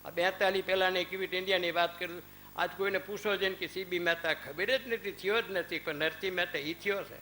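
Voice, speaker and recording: A man with a fairly high, bright voice gives a spiritual discourse to a small group. His talk is chatty: he calls on listeners by name, tells anecdotes and recites verses between points. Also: fairly even intonation, a little fast, a little hiss or hum. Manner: conversational, addresses listeners by name. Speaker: religious discourse speaker.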